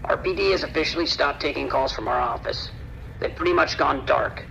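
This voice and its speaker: A man's voice: medium pitch, fairly quick, creaky, pushed and bright, slight background noise. A man playing a weary, guarded county deputy in a horror audio drama, terse and grim over a muffled police radio. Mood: grim, confiding. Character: weary, tense, guarded male county sheriff's deputy dispatcher.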